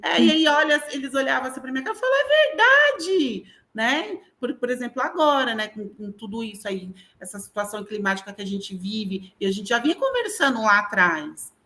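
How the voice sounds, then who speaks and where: A middle-aged Brazilian woman speaks as a guest educator in an easy, conversational interview. Her tone is bright and forward, and her delivery stays animated. She keeps checking that the listener is following. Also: fairly high pitch, fast talker, few pauses. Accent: Brazilian Portuguese. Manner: animated, frequent tag questions.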